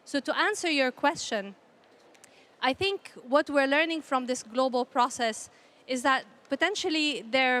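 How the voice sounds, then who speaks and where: A woman from Palestine giving earnest, measured panel remarks in a formal style, often repeating phrases for emphasis. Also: sits high, fairly bright tone. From Palestinian, grew up in a conflict country. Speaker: panel speaker, peace initiative representative.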